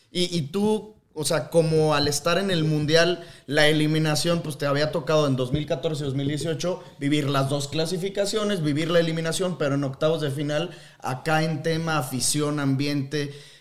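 Over noticeable background noise, a man with fairly high pitch speaks at a moderate pace with fairly even intonation and hardly any pauses. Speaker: podcast host. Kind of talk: casual chat.

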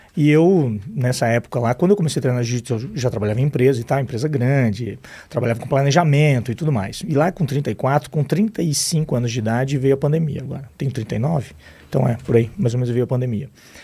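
A dark, mellow voice, somewhat breathy, talks at a fairly quick pace with ordinary pitch variation. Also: man, medium pitch for a man. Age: 40s. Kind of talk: casual chat. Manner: animated.

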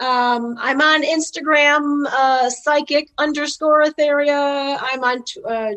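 This woman has a high pitch and speaks with an American accent. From New York. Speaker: psychic medium. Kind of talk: interview about personal experiences. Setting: video call. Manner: loud.

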